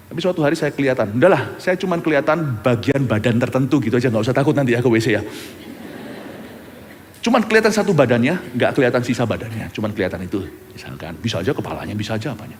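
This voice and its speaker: A male pastor delivering a lively sermon, swinging between loud bursts and hushed low lines. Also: a little hiss or hum. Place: large church hall. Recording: church hall with long reverb.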